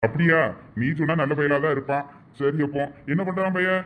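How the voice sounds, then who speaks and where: A man with a Thoothukudi Tamil accent playing a brisk shopkeeper in an amateur village drama. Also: a little high, fairly even intonation, a bit bright. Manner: brisk, businesslike.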